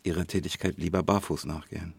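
Gravelly German man in dry close sound. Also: low voice, level tone, no echo. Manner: halting, thinking aloud with frequent tag questions. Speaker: podcast co-host. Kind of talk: casual podcast chat.

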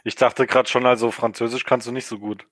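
Male co-host, medium pitch, dry close sound, relaxed informal banter. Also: brisk, dry recording. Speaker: podcast co-host. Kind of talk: casual banter.

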